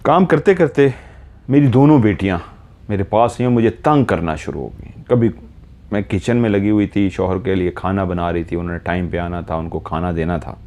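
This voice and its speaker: A man narrating a horror story in the first person, slow and measured, retelling events step by step. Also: sits low, darkish tone.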